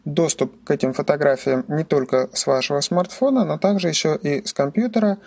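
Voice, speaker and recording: A man's voice: fairly high pitch, a little fast, vocal fry, darkish tone. A man giving scripted instructional narration as a tutorial presenter, explaining things methodically, step by step.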